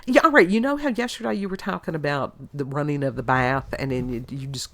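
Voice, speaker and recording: A woman's voice: low voice, quick pace. A middle-aged woman with a congested, stuffy voice, chatting casually as a podcast host and telling wry stories. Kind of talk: casual chat.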